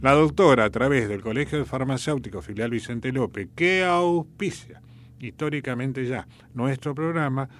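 A man's voice: medium pitch, moderate pace. A man with an Argentine accent hosting a radio show, rambling in a chatty, folksy storytelling way. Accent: Argentine Spanish. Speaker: radio host. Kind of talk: casual radio chat.

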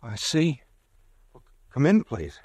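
A man's voice: medium pitch, wildly swooping pitch, slow pace, darkish tone, slight background noise. A man playing a nervous, guilt-ridden pharmacist in an old radio drama, speaking anxiously. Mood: guarded, nervous. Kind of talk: 1940s radio drama acting.

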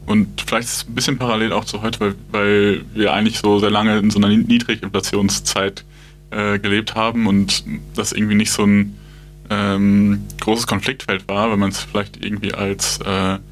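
A man in a podcast discussion, thinking aloud haltingly with many fillers. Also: lowish voice, little pitch movement, faint music behind. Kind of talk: casual discussion.

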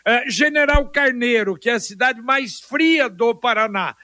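Radio guy chatting through the news, bright high voice, music under it. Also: lively intonation, measured pace, dry recording. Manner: informal, with asides. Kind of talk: conversational weather and local news reporting.

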